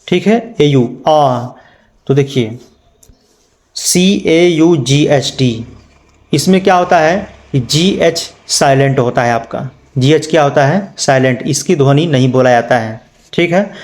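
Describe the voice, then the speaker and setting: A man's voice: on the high side, darkish tone. A man teaching an English pronunciation lesson, spelling words out letter by letter and asking his students questions. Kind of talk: spoken lesson.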